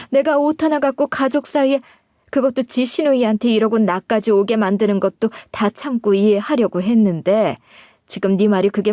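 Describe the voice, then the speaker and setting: A woman voicing a sharp-tongued older mother-in-law who talks in a scolding, condescending way. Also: medium pitch, no echo, studio quality, close to an everyday voice.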